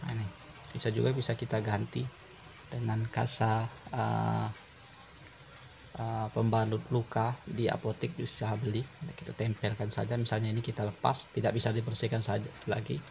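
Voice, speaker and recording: A man giving an informal hands-on repair tutorial, explaining step by step in a halting way with pauses. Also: fairly low pitch, completely flat delivery, creaky, darkish tone, slight background noise. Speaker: phone repair tutorial presenter.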